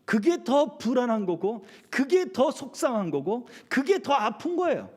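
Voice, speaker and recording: A man's voice: extremely high pitch, sing-song, unhurried, darkish tone. A middle-aged male pastor preaching a sermon at a church service, often asking the congregation rhetorical questions.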